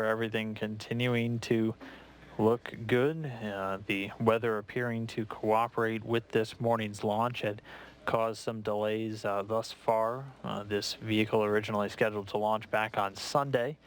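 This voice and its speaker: An American man giving live launch commentary in a measured, matter-of-fact way. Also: fairly low pitch, fairly even intonation.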